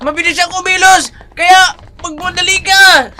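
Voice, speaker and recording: A man voicing a brave, bossy village child in a horror audio drama, shouting warnings and scolding. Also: extremely high pitch, steady tone, moderate pace, noisy background. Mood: urgent.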